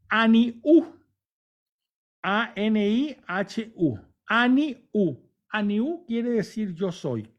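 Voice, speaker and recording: A man's voice: high-pitched, warm tone. A man reading a Bible passage and explaining it, thinking aloud with restarts and often checking in with the listener. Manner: pauses and restarts words while thinking aloud. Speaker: Bible teacher.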